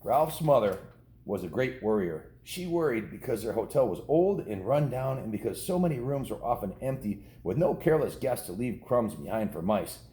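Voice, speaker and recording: Laid back guy w low voice reading a kids book, chatty asides, roomy echo. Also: warm tone. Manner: informal, ad-libbing. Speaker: storybook reader. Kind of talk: casual read-aloud of a children's novel with chatty asides to kids. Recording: roomy, echoing indoor sound.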